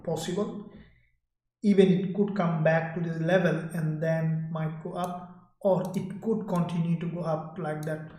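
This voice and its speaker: A man from Sydney, Australia, hosts a live trading stream and speaks straight to his viewers. His voice sits a bit high with a flat, narrow tune. He talks loosely, repeats himself, and reads chat messages aloud in an echoey room.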